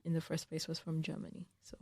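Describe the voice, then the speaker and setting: Low-voiced young woman from Uganda, gravelly. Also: monotone, fast, warm tone, no room sound, studio quality. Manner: earnest, thoughtful, frequent ums. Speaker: student guest. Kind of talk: radio interview answers. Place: radio studio.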